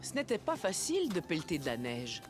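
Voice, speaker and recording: A woman narrating a children's cartoon as a gentle storyteller, reading a scripted tale. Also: sits low, huge pitch swings, fairly quick, music in the background. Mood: gentle storytelling. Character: gentle storybook narrator of a small boy's day.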